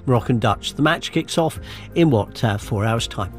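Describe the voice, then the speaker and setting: A man's voice: mid-range voice, lively intonation, moderate pace, over loud music. Male radio presenter, conversational.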